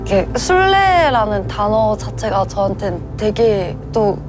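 A woman, a reality game contestant, agreeing easily and speaking softly in casual chat. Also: medium pitch, very animated, unhurried, over music. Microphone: lapel.

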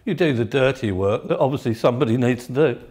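A man's voice: medium pitch, fast talker, a little mellow, slightly rough. A man with a mid-range voice asks a footballer questions for the club's channel. His manner is friendly and chatty, with light asides between the questions. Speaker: club media interviewer. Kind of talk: interview questions.

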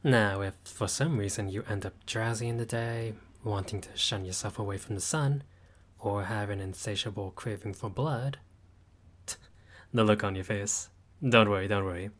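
A man speaks at normal speed in a low voice close to an everyday one. His character, a friendly and laid-back male vampire host in roleplay audio, is wry, dryly teasing and occasionally grand and theatrical.

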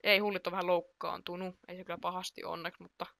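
Bright-voiced woman commentating her gameplay. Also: on the low side, gravelly, no echo, studio quality. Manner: chatty, excitable, reacts aloud to play, self-deprecating. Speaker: gaming YouTuber.

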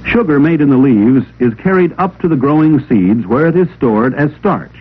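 A man reading scripted instructional narration for a 1950s classroom film in a measured, didactic way. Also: mid-range voice, animated, husky. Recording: old 16mm film soundtrack, narrow telephone-like band.

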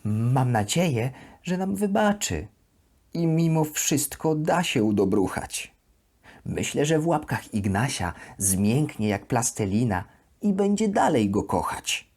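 A woman voicing a sweet, naive plush duck who tells her diary as a children's bedtime audio story, in an expressive, deliberate way. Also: very deep voice, full character voice. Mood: ashamed, earnest.

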